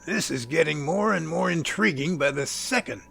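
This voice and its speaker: Man acting a curious male confidant, high-pitched, gravelly fry, inquisitive, musing, audio drama dialogue. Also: lively intonation, moderate pace, a bit bright, exaggerated voice. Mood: intrigued. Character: puzzled, intrigued male listener questioning a confidant.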